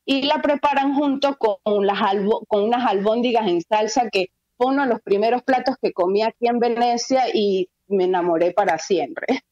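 A woman's voice: fairly high pitch, moderate pace, darkish tone, no echo, highs cut off. A Venezuelan woman, a guest in a casual radio interview, talking with many fillers and restarts.

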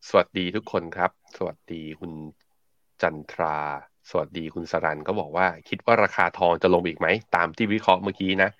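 A man co-hosting a morning markets show, explaining charts and reading viewer comments in a relaxed, chatty way. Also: deep voice, brisk, dry recording, muffled recording. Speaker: co-host and market analyst.

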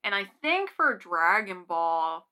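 A woman's voice: fairly low pitch, very animated, takes it slowly, sharp tone. A young woman co-hosting a podcast in casual, rambling chat with giggly asides. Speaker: podcast co-host.

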